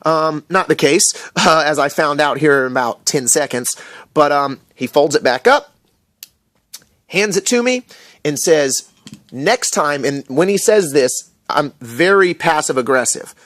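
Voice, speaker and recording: A man's voice: a little high, animated, a little slow, a bit bright, no echo. An American man casually recounting an incident to camera in a rambling, indignant rant full of fillers. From USA.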